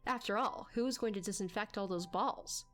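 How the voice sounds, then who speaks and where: A woman narrating a story as an expressive dramatic audiobook reading. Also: mid-range voice, a little fast, soft background music.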